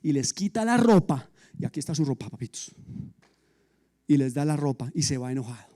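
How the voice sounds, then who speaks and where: A male pastor preaching a sermon, retelling a story in an animated way with humorous asides to the congregation. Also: mid-range voice, a little fast.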